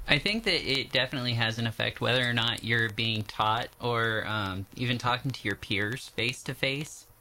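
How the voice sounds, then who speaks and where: A male co-host with a bright, sharp tone and a faint hiss of noise behind him. He thinks aloud in casual radio discussion and fills his pauses with ums and uhs. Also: mid-range voice.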